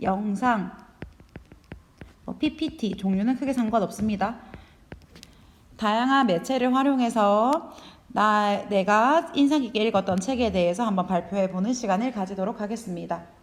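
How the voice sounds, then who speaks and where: Somewhat breathy and fairly slow, the speech has ordinary pitch variation and long, frequent pauses. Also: woman, fairly high pitch for a woman. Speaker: middle school Korean teacher. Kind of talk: online lecture.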